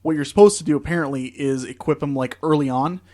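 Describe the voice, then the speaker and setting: A man's voice: fairly high pitch, fast talker, darkish tone. A young man co-hosting a podcast, telling long easygoing stories in casual chat. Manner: easygoing, rambling storyteller. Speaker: podcast co-host. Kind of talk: casual chat about video games.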